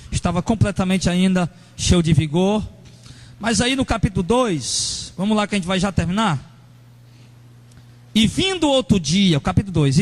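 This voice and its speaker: High-voiced animated male preacher. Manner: animated, acts out angry church members in a raised voice; addresses congregation members directly. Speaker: pastor. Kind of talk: sermon.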